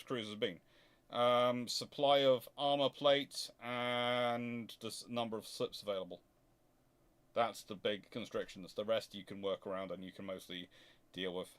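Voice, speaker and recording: A man with a medium-pitched voice talks informally as he fields questions from his audience. He is emphatic and opinionated, often restating a point to make it land. His delivery is that of a host speaking off the cuff. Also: fairly bright tone. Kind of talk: informal naval history question-and-answer talk.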